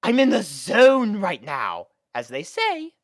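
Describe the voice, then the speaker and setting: A woman's voice: medium pitch, wildly swooping pitch, takes it slowly. A woman voicing a refined, affectionate elder sister pony in a fan fiction audio drama, genteel and coaxing. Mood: busy, indulgent.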